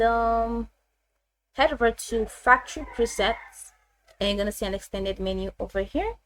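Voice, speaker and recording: A woman with a mid-range voice hosts a software tutorial. She explains each step casually and haltingly, often circling back to repeat a phrase before moving on. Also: mid-range voice, low-quality recording.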